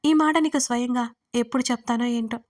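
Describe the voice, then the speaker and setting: A woman voicing a young college student who is deeply in love, soft and dreamy. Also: steady tone, brisk, close to an everyday voice. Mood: tender longing.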